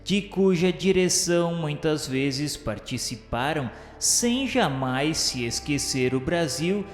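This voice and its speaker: A man's voice: on the high side, lively intonation, slow. A man with a Brazilian accent narrating a radio drama from a script in a solemn, formal, declamatory way. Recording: echoey long reverb, music underneath. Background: music.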